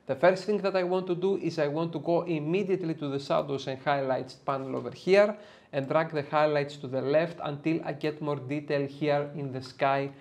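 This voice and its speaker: Man, 30s, Greek accent, slightly high voice, lively step-by-step explaining, lapel mic, home studio. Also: normal speed. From Greece. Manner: lively, chatty, explains step by step with filler uhs. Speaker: photo editing tutor. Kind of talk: screen-recorded software tutorial. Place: dim home studio, indoors.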